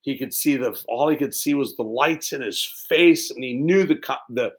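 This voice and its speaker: A man preaching an Easter sermon, building emphatic lists and dropping to quiet, weighty endings. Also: mid-range voice, moderate pace, poor audio.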